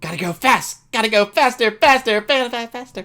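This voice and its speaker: A put-on character voice at a fairly high pitch has an energetic tone and a moderate pace. The recording is very clean, with a silent background. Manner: fast, cocky, energetic.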